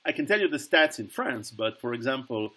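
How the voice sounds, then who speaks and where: A man's voice: mid-range voice, very animated, fairly quick, pushed and bright. A middle-aged man speaking as a guest author over a video call, earnest, often restarting and repeating words.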